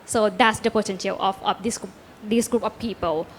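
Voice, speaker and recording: A woman's voice: medium pitch, steady tone, normal speed, a little hiss or hum. A woman with a Thai accent, a native Thai speaker, talking on a discussion panel in English with many hesitant fillers.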